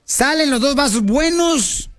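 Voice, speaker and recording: A man's voice: very high-pitched, expressive, measured pace, fairly bright tone. A Mexican man hosting a radio comedy segment, joking and laughing with his co-hosts. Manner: playful, laughing, teasing.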